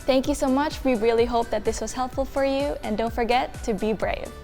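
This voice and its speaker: A woman's voice: a little high, brisk, a little mellow, soft background music. A young woman from the Philippines, a university student, chatting casually about student life and filling her talk with "like". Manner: chatty, many filler likes. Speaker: international student.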